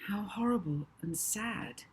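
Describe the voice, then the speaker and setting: A woman's voice: mid-range voice, animated, unhurried, voice pushed up, lightly acted, low-quality recording. A woman voicing a kind, curious boy who speaks eagerly and sometimes in a whisper. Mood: earnest.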